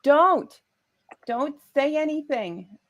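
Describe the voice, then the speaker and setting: A woman's voice: high voice, animated, takes it slowly, slight background noise. A woman co-hosting a livestream, chatting casually in a playful, joking way. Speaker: livestream co-host. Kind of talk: casual reaction chat.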